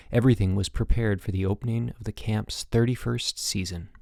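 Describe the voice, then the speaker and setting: A man narrating a story as an audiobook reader, in a measured read-aloud delivery. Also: on the low side, darkish tone, dry recording, clean studio sound.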